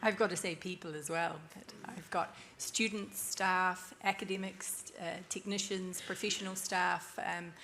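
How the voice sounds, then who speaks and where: A woman with a New Zealand accent speaks as a panel guest at a conference. Her voice sits a little low. Some event ambience and noise can be heard behind her. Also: steady tone, a little slow, hardly any pauses, fairly bright tone. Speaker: university vice president, panel guest. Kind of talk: panel introduction. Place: conference event with microphone and audience.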